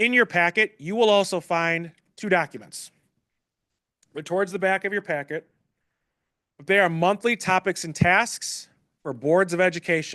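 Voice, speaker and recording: A man with a high pitch, a bright, sharp tone and ordinary pitch variation speaks with big swings in loudness and long, frequent pauses. The sound is dry and close with no echo over a quiet background. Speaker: education trainer presenting to school board. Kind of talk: presentation. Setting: boardroom meeting. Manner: fast.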